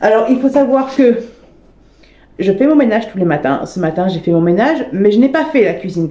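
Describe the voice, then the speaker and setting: Amid audible room echo, a woman speaks at a fairly quick pace with lively intonation. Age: 30s. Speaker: home vlogger. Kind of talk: casual vlog chat. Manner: hesitant, many filler euh.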